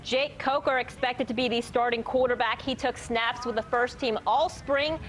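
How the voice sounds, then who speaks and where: A woman's voice: on the high side, steady tone, moderate pace, background noise. A woman with an American accent reading scripted sports news as a TV anchor.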